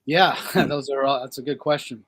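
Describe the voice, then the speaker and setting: A man in his fifties from Maine, a police chief, answering interview questions in a plain-spoken, measured way. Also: mid-range voice, a bit bright, dry recording. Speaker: police chief and congressional candidate. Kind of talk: interview guest.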